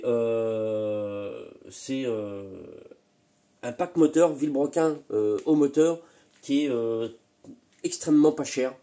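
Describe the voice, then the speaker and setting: The host of a moped-tuning workshop vlog, a man still a bit blocked up from a cold, talks in a mellow mid-range voice. His delivery is loose and rambling, peppered with hesitations and repeated words.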